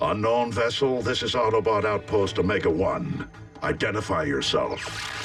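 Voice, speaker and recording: Over clear music in the background, a man does a cartoonish character voice at a medium pitch. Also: moderate pace. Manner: calm, commanding.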